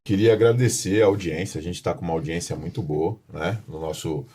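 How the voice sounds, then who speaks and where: A Brazilian man from São Paulo hosts a podcast in a low, husky voice. His tone is mellow, and he talks informally, repeating phrases as he addresses the audience. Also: fairly quick. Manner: informal, repetitive, addresses viewers directly. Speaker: podcast host, professional condominium manager. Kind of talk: conversational podcast presenting.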